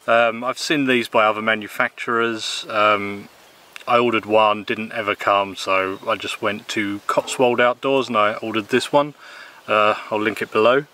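Bright-voiced man reviewing camping gear outdoors. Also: mid-range voice, slight background noise. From England. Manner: relaxed, many ums and uhs. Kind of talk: casual product review. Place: outdoors in woodland.

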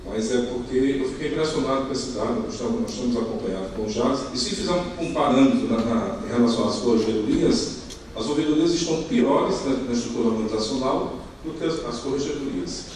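A middle-aged Brazilian-accented man speaks at a lectern in an indoor conference hall, delivering a formal talk that is partly improvised. His medium-pitched, slightly mellow voice halts and repeats words while he searches for phrasing. The hall is echoey, the mic sits at a distance, and faint noise lingers.

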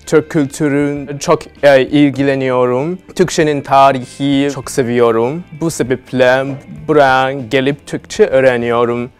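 A young man with a smooth, clean voice gives a student testimonial. His Turkish is broken and foreign-accented, halting with grammar slips, over faint music. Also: medium pitch, fairly even intonation. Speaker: language student. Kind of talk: prepared testimonial.

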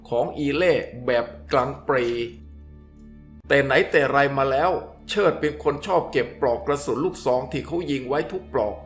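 A man reading a scripted story in a steady, descriptive way, as the storyteller. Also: medium pitch, normal speed, faint music behind.

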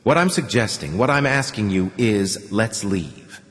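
A man's voice: lowish voice, animated, a little slow, a bit bright. A man voicing a weary young man who pleads passionately with a crowd to leave the tunnels. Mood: pleading. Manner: impassioned, urgent. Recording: long hall reverb.

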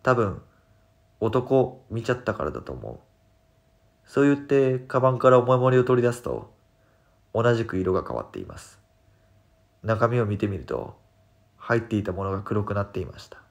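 A man reads scripted ghost stories as a horror narrator, in a measured storytelling manner with dramatic pauses. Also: fairly low pitch, very animated, vocal fry. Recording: background music behind the narration. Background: music.

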